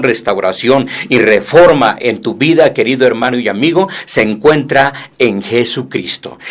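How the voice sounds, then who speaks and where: Man, Christian radio host, earnest sermon-like talk, rhetorical questions. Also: mid-range voice. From Mexico.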